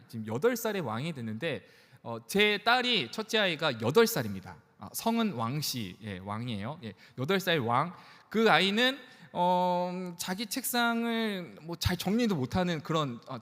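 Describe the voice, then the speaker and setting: A man's voice: fairly high pitch, a bit bright. A man in his thirties, a pastor preaching to young adults in a conversational, joking way, in a church. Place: church sanctuary. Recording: church hall reverb.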